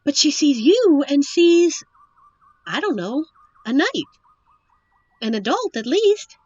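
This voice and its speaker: A woman's voice: high voice, sing-song, takes it slowly, a little mellow, no echo, muffled recording, exaggerated voice. A woman playing a young, sheltered princess, earnest and wistful, in a dramatic audio roleplay. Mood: pleading.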